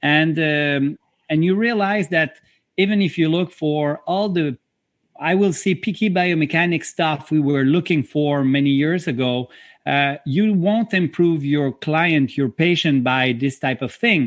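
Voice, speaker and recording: A fairly slow delivery with a Quebec accent and ordinary pitch variation, on a very clean recording with a silent background. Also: man, fairly high pitch for a man, very even loudness. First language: French. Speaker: physiotherapist. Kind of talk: interview. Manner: halting.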